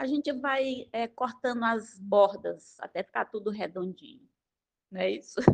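Speaking at a fairly slow pace, a woman with a plain, everyday voice and fairly high pitch shows ordinary pitch variation in a dry, close sound with no echo. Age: 60s. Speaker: study group participant. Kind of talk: casual chat.

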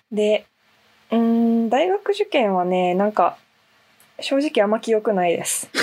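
A woman with a dark, mellow tone speaks at a fairly high pitch and a fairly slow pace. She leaves long, frequent pauses. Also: ordinary pitch variation. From Kyoto, Japan. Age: 20s. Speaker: podcast co-host. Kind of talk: casual chat.

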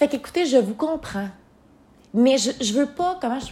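A woman speaks in a Quebec accent at a moderate pace. Her tone is animated, and her pitch swings very widely. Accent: Québécois French. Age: 20s. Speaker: podcaster. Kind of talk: motivational monologue.

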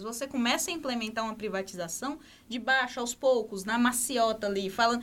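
The speaker is a woman. She talks with a fairly high pitch. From southern Bahia, Brazil (Itabuna). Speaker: university student and student representative. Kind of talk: podcast discussion.

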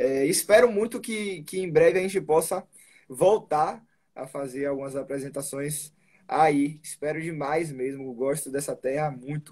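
A man with a fairly high pitch and ordinary pitch variation speaks in an ordinary speaking voice. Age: 20s. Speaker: singer. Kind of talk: casual chat.

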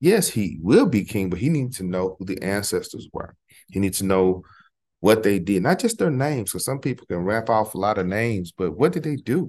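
A man with an unremarkable speaking voice and a fairly low pitch at a moderate pace, with a quiet background. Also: lively intonation. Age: 40s. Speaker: podcast host teaching African history. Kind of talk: lecture. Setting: library.

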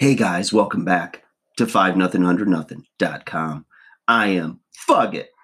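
A man uses a put-on character voice that is hoarse and raspy, very deep and low in pitch, at a very slow pace. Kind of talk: casual, video host greeting. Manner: upbeat, welcoming.

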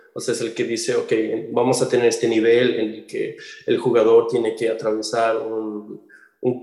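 Audible room echo surrounds a man as he speaks. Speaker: game artist. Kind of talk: casual interview. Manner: hesitant, many fillers.

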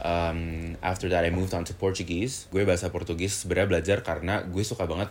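A man's very deep, low voice at a very fast pace, monotone and flat, in a very clean recording with a silent background. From Indonesia. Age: 20s. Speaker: university student. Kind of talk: casual chat.

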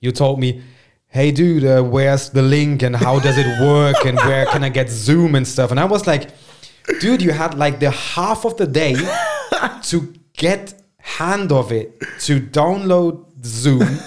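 A German accent at a very slow pace, with ordinary pitch variation. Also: man. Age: 30s. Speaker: fitness podcast host. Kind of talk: casual chat. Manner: playful, laughs often.

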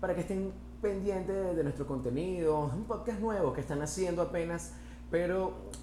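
The tone is animated, with a Venezuelan accent. The pace is moderate. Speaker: podcast co-host. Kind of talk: casual chat.

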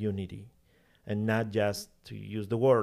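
In a Spanish accent, a man with fairly low pitch talks at a moderate pace in a monotone, flat intonation. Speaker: pastor. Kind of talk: casual chat. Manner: halting.

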